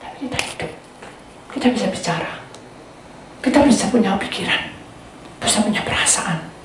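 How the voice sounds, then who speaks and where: A woman's voice: medium pitch, expressive, moderate pace. Woman pastor preaching in an echoey hall. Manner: addresses the congregation often, acts out quoted speech. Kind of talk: sermon with testimony storytelling. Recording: very echoey, from far off, faint ambient noise.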